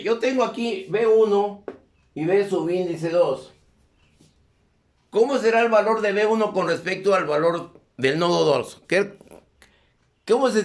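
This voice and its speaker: A male teacher giving a live electronics class, often pausing to ask students if they follow. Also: high voice. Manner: constantly checks in with questions to the class. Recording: echoey classroom.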